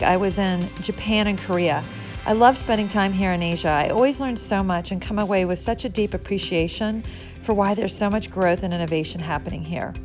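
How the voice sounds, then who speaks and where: A woman's voice: mid-range voice, a little mellow. A woman hosting a leadership podcast, reading a scripted intro and then asking questions on stage with small restarts. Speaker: podcast host.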